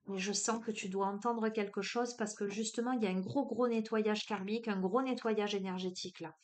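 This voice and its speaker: An oracle card reader with a southern French accent gives a spiritual reading, starting hesitantly with lots of fillers before becoming emphatic. Her voice is medium in pitch, steady, and fairly quick.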